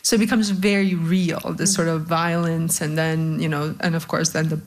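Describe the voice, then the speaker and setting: A woman's voice: deep voice, little pitch movement, moderate pace. A woman in her thirties from Bosnia, a guest speaking thoughtfully on a panel, with many fillers and restarts. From Bosnia-Herzegovina. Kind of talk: reflective panel discussion.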